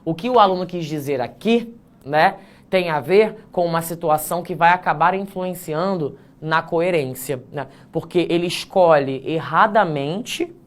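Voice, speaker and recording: Playful man teaching writing, slow demonstrations. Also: fairly high pitch. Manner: playful, self-mocking, frequent "tá?" check-ins; stretches words slowly to demonstrate pronunciation. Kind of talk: live online essay-writing class.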